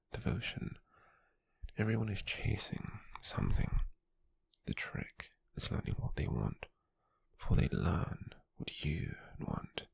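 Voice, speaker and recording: A British man playing a possessive, calculating nobleman in an intimate ASMR roleplay, speaking in a soft, menacing, condescending murmur close to the mic. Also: no echo, exaggerated voice. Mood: coolly instructive. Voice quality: breathy, husky, gravelly low murmur. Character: possessive, calculating noble man who buys captives at auction. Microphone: close mic, dry.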